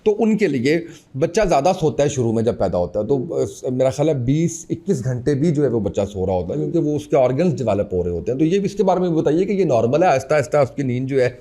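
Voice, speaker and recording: A man's voice: mid-range voice, very animated, few pauses, warm tone. A man hosting a podcast interview, asking long, explanatory questions. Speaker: podcast host.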